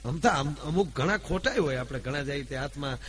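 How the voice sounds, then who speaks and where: A man, telling folk stories at a live gathering, declaiming loudly at his peaks and then dropping to a low, confiding tone. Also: expressive, fairly quick, slight background noise. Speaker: folk storyteller. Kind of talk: live folk storytelling (dayro).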